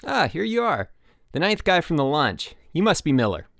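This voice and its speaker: A man playing young male swim coach, high-pitched, relentlessly cheerful, eager, storybook character. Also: wildly swooping pitch, normal speed, vocal fry, no echo, studio quality, heavily acted. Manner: bright, eager, grinning delivery.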